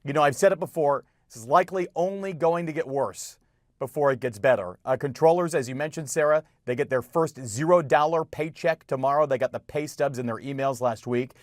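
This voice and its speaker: A man reporting live as a TV news correspondent, conversational and pausing between phrases. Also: a little high, no room sound, studio quality.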